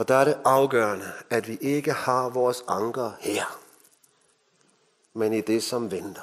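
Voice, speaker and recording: A man with a medium-pitched voice talks at a very slow pace with fairly even intonation and long, frequent pauses. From Denmark. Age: 40s. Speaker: preacher. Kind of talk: sermon.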